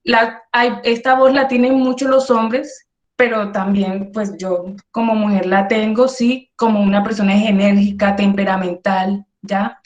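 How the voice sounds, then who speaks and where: A woman's voice: mid-range voice, steady tone, a little slow, reverberant, highs cut off. A woman teaching an online workshop, speaking with energy and emphasis and often checking in with her listeners. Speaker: workshop instructor.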